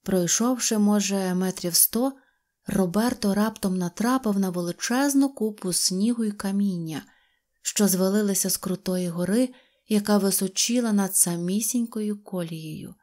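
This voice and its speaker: Mellow woman narrating a fairy tale. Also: mid-range voice, normal speed. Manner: expressive storytelling.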